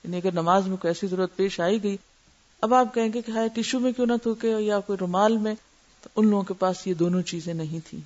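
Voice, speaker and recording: A woman's voice: medium pitch, darkish tone. Woman teaching religion on a muffled recording. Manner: explains terms and asks rhetorical questions. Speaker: Islamic teacher. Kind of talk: religious lecture.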